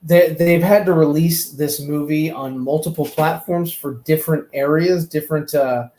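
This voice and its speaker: A panelist on a fan talk show chats casually and gives opinions on films, rambling and often repeating his words. His voice is a little high and warm, with fairly even intonation and a moderate pace. The room sounds echoey.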